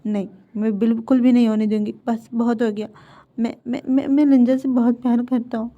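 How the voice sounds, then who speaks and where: A woman's voice: on the high side, level tone, brisk, dark tone, close to an everyday voice. A woman voicing an anxious young man who stammers and pleads, in a dull lo-fi recording. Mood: pleading.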